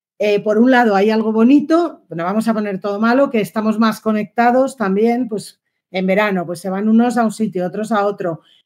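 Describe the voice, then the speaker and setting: With an ordinary speaking voice, a woman talks at a moderate pace with hardly any pauses, a fairly high pitch and ordinary pitch variation. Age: 60s. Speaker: channel creator and businesswoman. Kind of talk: podcast conversation.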